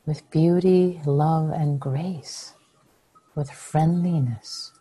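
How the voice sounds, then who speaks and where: A woman with a low, mellow voice leads a guided meditation. Her delivery is very slow and soft, with long pauses. The tone is breathy and soothing, at times nearly whispered. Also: steady tone, poor audio. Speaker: meditation teacher.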